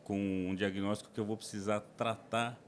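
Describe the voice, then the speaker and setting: A man with a low voice, from the São Paulo interior, speaks as a podcast guest. He explains procedures step by step, often restarting his sentences. A faint background ambience sits under his voice. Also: little pitch movement, brisk, slight background noise. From interior of São Paulo state, Brazil. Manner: explains plainly with frequent restarts and fillers. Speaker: endoscopist guest.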